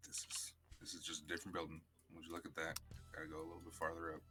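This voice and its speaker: A man's voice: rumbling low, completely flat delivery, very fast, music in the background. A man playing a tabletop role-playing game, talking casually in character with folksy phrasing.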